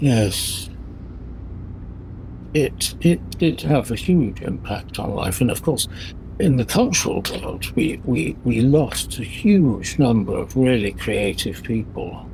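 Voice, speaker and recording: Over noticeable background noise, a man speaks very slowly at a medium pitch with very wide pitch swings. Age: 80s+. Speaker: retired GP, interview guest. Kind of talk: interview answer. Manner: reflective, measured.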